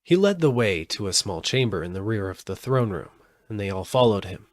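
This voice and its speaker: A man giving an expressive live reading of a storybook as narrator. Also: fairly low pitch, a little fast, no room sound, clean studio sound. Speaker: audiobook narrator.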